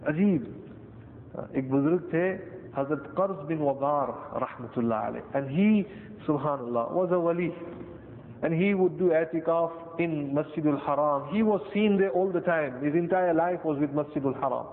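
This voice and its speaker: Male Muslim preacher, South Asian accent, deliberate phrasing with repeats; reverberant, phone-thin sound with some rumble. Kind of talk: sermon. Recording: tinny band-limited echoey hall, rumbly noise.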